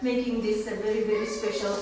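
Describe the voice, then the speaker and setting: A woman in her sixties giving an informal, unscripted thank-you speech, halting as she searches for words. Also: medium pitch, level tone, darkish tone. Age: 60s. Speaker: author thanking guests at her book launch. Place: large roomy indoor gathering, mic at a distance. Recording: echoey hall, distant mic, faint noise.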